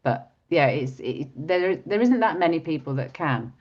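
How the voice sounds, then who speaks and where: A woman's voice: low-pitched, animated, moderate pace. A woman whose first language is not English, chatting casually as co-host, with a frog in her throat and many restarts. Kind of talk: casual chat. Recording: dull lo-fi sound.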